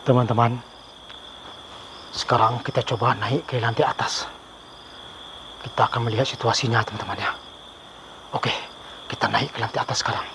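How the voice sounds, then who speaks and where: At night, a middle-aged ghost-hunting vlogger explores an abandoned, overgrown building with a handheld camera, giving hushed commentary to his viewers and calling out loudly to spirits. His mid-range voice stays fairly even, moving at a moderate pace with long pauses. Crickets and other insects can be heard faintly in the background.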